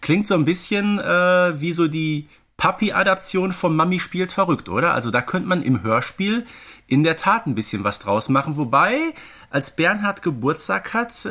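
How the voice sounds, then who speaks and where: A man's voice: a little high, sharp tone. A man co-hosting a podcast, talking conversationally and explaining things with small asides. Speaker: podcast co-host.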